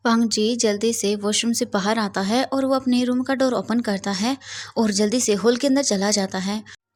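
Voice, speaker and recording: A young woman retelling her own fan story aloud in a plain storytelling manner, often pausing on fillers. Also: fairly high pitch. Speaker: fanfiction narrator.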